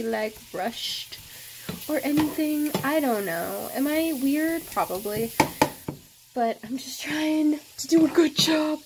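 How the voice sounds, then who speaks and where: A woman's voice: high voice, gravelly, very noisy. A young woman vlogging in casual chat, gushing and swearing freely, with lots of fillers.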